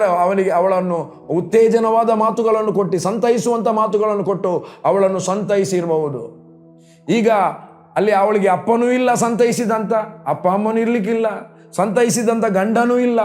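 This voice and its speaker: A man's voice: high voice, a little mellow. A man preaching a sermon as a pastor, telling a story and acting out quoted pleas.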